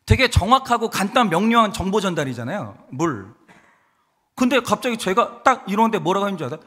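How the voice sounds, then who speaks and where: A man in his thirties preaching in an animated, storytelling way, his husky voice sitting high and swinging widely in pitch. The sound carries a long reverb from the church hall around him. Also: fast. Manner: animated storytelling with acted quotes. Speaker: pastor. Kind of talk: sermon. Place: church sanctuary.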